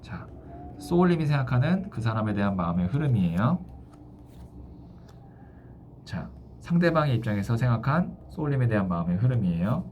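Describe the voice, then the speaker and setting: Animated male fortune teller reading tarot. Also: mid-range voice, normal speed, long pauses, a little hiss or hum.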